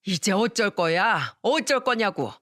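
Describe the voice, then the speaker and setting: A storyteller voicing a harsh, scolding old grandmother who berates her daughter-in-law in a shrill voice. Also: lively intonation, a little slow, fairly bright tone, no echo, studio quality.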